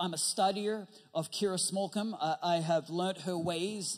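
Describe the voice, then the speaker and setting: Against a quiet background, a man speaks with a high pitch and fairly even intonation. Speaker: pastor. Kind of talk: sermon. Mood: playful, humorous storytelling. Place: stage. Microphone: handheld.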